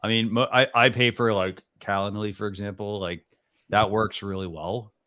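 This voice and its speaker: A man's voice: on the low side, steady tone, normal speed, sharp tone, no room sound, studio quality. A man co-hosting a live stream, chatting casually in a rambling way with lots of restarts. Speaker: co-host of a live stream show.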